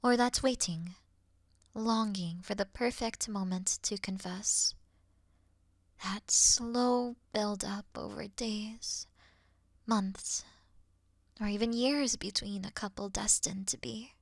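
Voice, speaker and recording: A woman playing an awkward, officious moth girl in a sleep-aid ASMR roleplay, speaking softly and deliberately in a dry bedside murmur that slips into whispers. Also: medium pitch, fairly even intonation, creaky, dry recording. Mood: soft, musing. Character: awkward, officious young female moth monster offering comfort.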